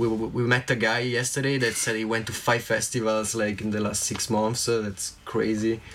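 Flat and monotone, the speech comes at a moderate pace in an Italian accent. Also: man. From Italy. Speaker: radio journalist. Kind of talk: casual chat. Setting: studio.

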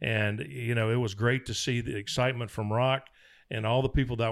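On a very clean recording with a silent background, a man with a Southern US accent talks at a moderate pace in a medium pitch. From US South, Mississippi. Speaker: hunting organization executive. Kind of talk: casual chat.

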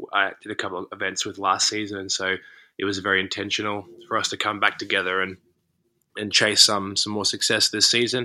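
Here a man speaks with an Australian accent at a fairly quick pace. His fairly low-pitched voice has a bright, sharp tone. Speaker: CrossFit athlete. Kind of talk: casual interview chat. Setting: remote call. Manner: halting, many fillers.

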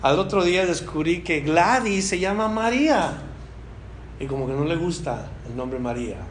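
Audible room echo surrounds a man speaking in a high pitch at a moderate pace. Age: 50s. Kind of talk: sermon.

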